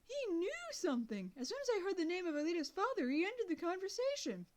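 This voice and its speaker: A woman voicing an earnest teenage boy genius, speaking high and insistent. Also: very animated, fast, a little mellow. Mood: eager.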